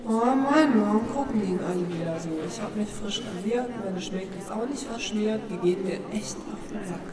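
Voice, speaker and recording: A woman's voice: medium pitch, normal speed, lightly acted. A woman playing a fed-up, anxious trans woman in a radio play, muttering slangy, exasperated thoughts to herself. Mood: annoyed. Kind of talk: inner-monologue radio play, colloquial. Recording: roomy, distant, music behind.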